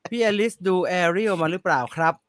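A man's voice: high voice, moderate pace, fairly bright tone, dry recording. Polite male host asking questions. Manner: polite, questioning, steering the talk. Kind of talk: casual chat.

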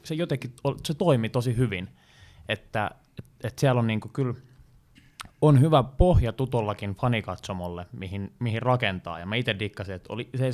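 A man hosting a casual fan podcast, telling a story with many fillers in a lively, rambling way. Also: lowish voice. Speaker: podcast host, fan group organizer. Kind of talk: casual chat, anecdote telling.

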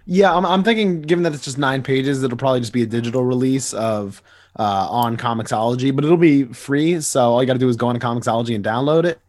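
A man's voice: medium pitch, quick pace, a little mellow, no room sound. A man co-hosting a podcast, talking casually and hesitantly, with many fillers and repeated words as he restarts his sentences. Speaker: podcast co-host. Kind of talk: casual chat.

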